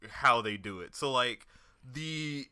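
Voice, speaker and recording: Young male podcast co-host, very bright crisp tone, rambling chatter. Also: mid-range voice, animated, slow pace. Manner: rambling, self-correcting, laughs often. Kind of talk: casual chat.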